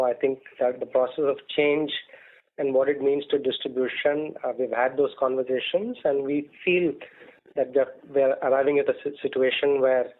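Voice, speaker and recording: Male executive on tinny phone line. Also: mid-range voice. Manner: hesitant, measured corporate phrasing with frequent "you know". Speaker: company executive answering analysts. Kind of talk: earnings call answers. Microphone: telephone conference call.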